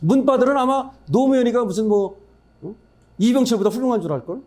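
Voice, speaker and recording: High, lively-voiced man giving a fiery speech. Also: quick pace. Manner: emphatic, rhetorical questions to the audience; blunt, scornful asides. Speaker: forum speaker. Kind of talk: political speech.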